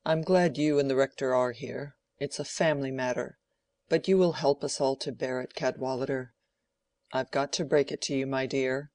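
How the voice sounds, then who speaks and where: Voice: mid-range voice, fairly even intonation, normal speed, darkish tone, no echo, natural voice. Older male squire, rambling and fretful, audiobook, reader doubling; dry booth. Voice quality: rambling, peppered with "you know". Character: rambling, distracted older male country gentleman. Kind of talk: audiobook character voice.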